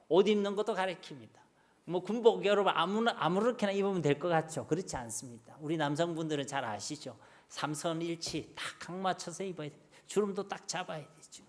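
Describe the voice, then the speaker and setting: A middle-aged man preaching a sermon in a Gyeongsang Korean accent, his voice pitched high and swinging widely. He keeps putting rhetorical questions to his congregation. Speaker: pastor.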